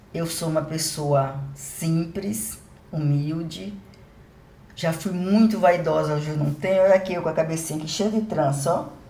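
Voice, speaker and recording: Over noticeable background noise and audible room echo, a woman with a very deep, low pitch speaks at a fairly slow pace with ordinary pitch variation. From Brazil, rural interior of Maranhão. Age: 60s. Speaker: evangelical preacher. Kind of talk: casual religious video talk, personal testimony. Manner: informal, conversational.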